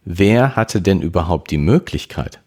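A man voicing a calm, level-headed teenage boy who reasons things through, in an audiobook reading. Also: low voice, unhurried, slightly rough, full character voice. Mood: thoughtful.

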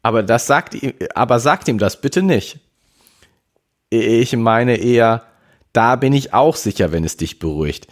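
A man voicing a cheerful, excited teenage girl with a bubbly, eager way of talking, in an audiobook reading. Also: medium pitch, a little slow, voice pushed up, natural voice.

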